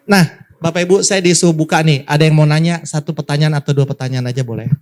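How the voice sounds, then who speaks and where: A male pastor preaching a lively sermon, telling a story and acting out the voices of its people while speaking to the congregation. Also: on the high side, fast talker.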